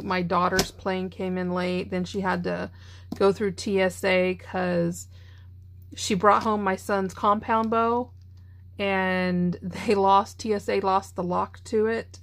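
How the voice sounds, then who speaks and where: A woman's voice: mid-range voice, gravelly. Middle-aged woman, chatty, enthusiastic, tired, faint hiss behind. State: tired, yawning. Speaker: craft channel host. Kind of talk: casual show-and-tell vlog.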